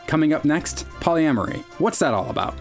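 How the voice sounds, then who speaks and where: A man playing an earnest, pedantic, deadpan news anchor in an audio drama, with a stiff, deliberate delivery. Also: on the high side, creaky, faint music behind. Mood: formal anchor.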